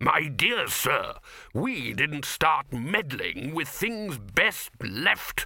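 A man puts on a character voice, pompous and growling, at a fairly high pitch. He speaks very slowly. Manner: snarling, pompous.

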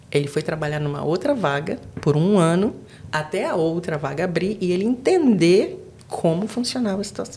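With noticeable background noise, a woman talks at a moderate pace and a fairly low pitch. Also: lively intonation. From Brazil, Manaus. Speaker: career counselor. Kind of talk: interview.

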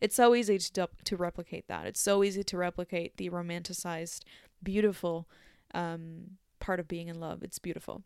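A woman with a Mexican accent speaks at a fairly quick pace with fairly even intonation and big swings in loudness, in a very clean recording with a silent background and a dry, close sound with no echo. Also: fairly low pitch for a woman. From Mexico. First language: Spanish. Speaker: podcast host. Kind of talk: casual monologue. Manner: rambling.

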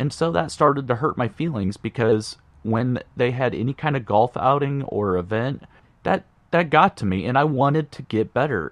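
With an American accent, a man speaks at a moderate pace and medium pitch, his intonation lively. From Indianapolis, Indiana, US Midwest. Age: 40s. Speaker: podcast host, retired army veteran. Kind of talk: solo podcast talk.

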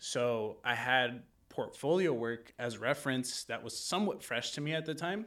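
At a moderate pace, a man with an unremarkable speaking voice talks with lively intonation. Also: medium pitch for a man. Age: 20s. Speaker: videographer. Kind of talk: casual chat.

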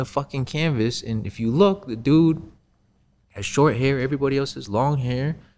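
A man talks at a moderate pace in a medium pitch, with lively intonation. He has an ordinary speaking voice. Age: 30s. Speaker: cannabis entrepreneur. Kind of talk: casual chat.

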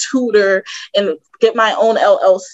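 The sound is dry and close with no echo, and the tone is bright and sharp. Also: woman. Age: 20s. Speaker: data engineer. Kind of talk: casual chat.

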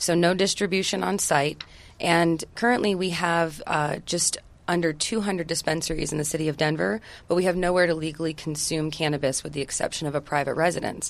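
Over a quiet background, a woman speaks at a fairly quick pace in an ordinary speaking voice. Her pitch is fairly low with ordinary variation. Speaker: cannabis initiative organizer. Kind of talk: casual interview chat.

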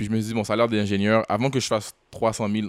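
A man speaks at a moderate pace in a fairly low pitch. The recording is very clean with a silent background and a dry, close sound with no echo. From Montreal, Quebec (Little Burgundy, Haitian family). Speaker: rapper. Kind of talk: casual interview chat.

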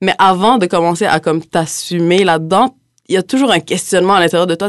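Very fast speech comes from a woman with a medium pitch and ordinary pitch variation. Her loudness stays very even, and the sound is dry and close with no echo. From Montreal, Quebec. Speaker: law student. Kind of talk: casual chat.

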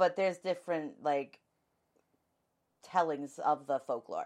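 A woman with an American accent speaks at a fairly slow pace with ordinary pitch variation. The recording is very clean, the background silent. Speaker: podcast co-host.

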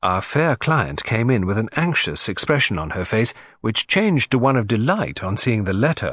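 Lively intonation runs through this natural voice reading aloud.

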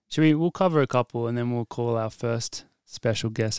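Recorded dry and close with no echo, a man uses a normal speaking voice at medium pitch, a moderate pace, and fairly even intonation. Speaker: podcast host. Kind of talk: casual chat. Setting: studio.

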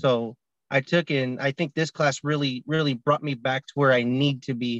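Recorded with a dry, close sound and no echo, a man with an American accent speaks in an ordinary speaking voice at a medium pitch. His pace is fairly quick and his intonation fairly even. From California. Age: 20s. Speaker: telecom technician. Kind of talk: casual interview.

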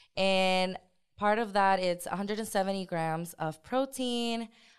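On a very clean recording with a silent background, a woman with a Spanish accent speaks at a fairly slow pace and medium pitch with ordinary pitch variation. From Puerto Rico. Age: young. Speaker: guest sharing personal weight-loss story. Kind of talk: personal testimony in interview.

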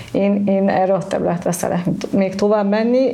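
Through audible room echo and noticeable background noise, a woman talks fairly quickly at a medium pitch with monotone, flat intonation. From Hungary, Csongrád county. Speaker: tiler. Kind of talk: casual chat.

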